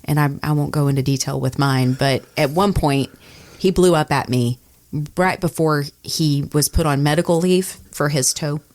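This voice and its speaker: A woman's voice: sits low, normal speed, darkish tone. A woman telling work stories in a casual podcast conversation, speaking in a candid, reflective way as a radio personality.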